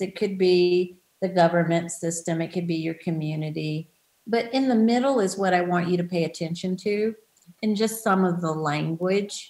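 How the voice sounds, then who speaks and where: A woman with an American accent uses a normal speaking voice, fairly low in pitch, at a moderate pace with ordinary pitch variation. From US South. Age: 50s. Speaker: racial equity facilitator. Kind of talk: facilitated community discussion.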